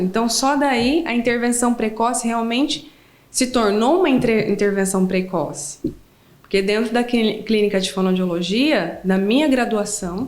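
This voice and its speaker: A woman's voice: a little high, reverberant. A woman in her forties, a speech therapist, explaining things in a friendly way during an interview and checking in with the listener as she goes. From Brazil.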